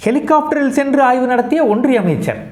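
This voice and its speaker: High, lively sarcastic comedy news man. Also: brisk. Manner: reads headlines, then mocks them with sarcastic asides. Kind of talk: satirical news reading with quips.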